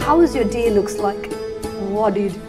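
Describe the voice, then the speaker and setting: Clear music sounds in the background. Over it, a woman talks. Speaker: interviewer. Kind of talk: interview question. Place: studio. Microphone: lapel.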